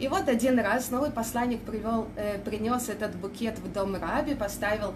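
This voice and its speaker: A woman talks at a fairly slow pace in a fairly high voice over noticeable background noise. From Belarus, Pinsk; Belarus. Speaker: Torah teacher. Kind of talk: online Torah lesson. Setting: live stream broadcast. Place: home room. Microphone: phone near.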